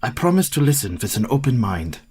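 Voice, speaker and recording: A man's voice: mid-range voice, sing-song, darkish tone, breathy edge. A man playing a grave, courtly old professor. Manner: formal, courtly, measured speech. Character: learned elderly male professor, gentle and grave. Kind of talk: radio play acting.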